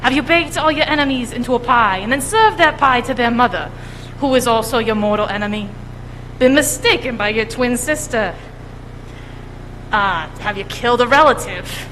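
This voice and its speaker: An actress playing a brisk legal-aid pitchwoman in a mock TV commercial, delivered in an upbeat sales tone on a school auditorium stage. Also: a bit bright, lightly acted. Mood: salesy. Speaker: stage actor. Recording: echoey auditorium, faint noise.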